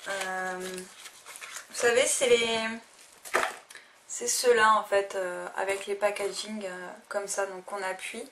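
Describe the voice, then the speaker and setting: A woman's voice: mid-range voice, fairly even intonation, takes it slowly, a bit bright. A young woman casually reviewing makeup she bought, talking hesitantly with many fillers and restarts. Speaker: beauty vlogger. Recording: faint noise, a little distant from the mic.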